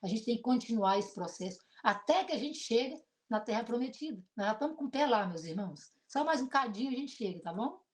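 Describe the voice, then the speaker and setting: A middle-aged woman pastor with a Brazilian accent and a deep voice, preaching an emotional sermon built on personal testimony. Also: brisk, few pauses. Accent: Brazilian Portuguese. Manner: emotional, animated storytelling with shifts between loud and soft.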